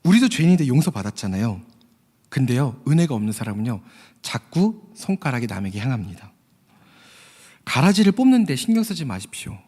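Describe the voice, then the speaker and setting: A man's voice: mid-range voice, warm tone, breathy edge. Earnest male preacher in a reverberant hall. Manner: earnest, tells a story with quoted voices, addresses listeners. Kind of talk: sermon. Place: church hall.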